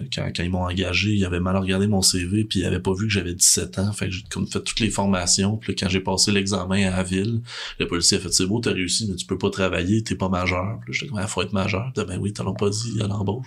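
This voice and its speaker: A very deep, low male voice, very fast with hardly any pauses, somewhat breathy, with ordinary pitch variation. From Quebec City area, Quebec. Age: 30s. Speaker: actor and comedian. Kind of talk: casual chat.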